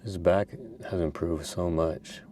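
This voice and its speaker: Deep-voiced guy vlogging, chill and chatty, a little hiss in the background. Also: steady tone, a little slow, dark tone. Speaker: bodybuilding coach and vlogger. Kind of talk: casual vlog talk.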